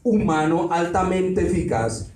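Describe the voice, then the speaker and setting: Recorded by a distant mic in a spacious hall with a little noise, this pastor's voice is high-pitched and darkish, with lively intonation and a slightly slow delivery. He keeps asking the congregation rhetorical questions during his sermon.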